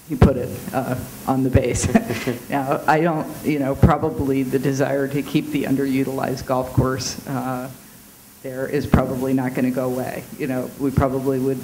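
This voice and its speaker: A man's voice: mid-range voice, darkish tone, a little hiss or hum, low-quality recording. A man answering questions on a panel discussion, hesitant, with many fillers and restarts. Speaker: panelist, defense official. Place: university event room.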